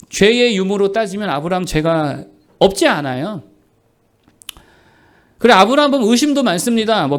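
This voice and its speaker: A male pastor delivers a sermon in a church, his voice set high and swinging widely in pitch. He preaches with animation and acts out the voices of the people he quotes. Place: church sanctuary.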